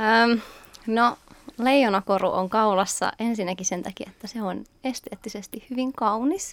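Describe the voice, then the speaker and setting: A woman's ordinary speaking voice, fairly high in pitch, with fairly even intonation at a moderate pace. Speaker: student and youth organization chair. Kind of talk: radio panel discussion. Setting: studio.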